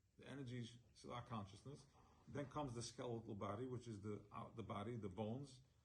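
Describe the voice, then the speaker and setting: Recorded with audible room echo, a man speaks fairly quickly with ordinary pitch variation. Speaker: Torah teacher. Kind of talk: Torah talk to live audience. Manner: fast; animated.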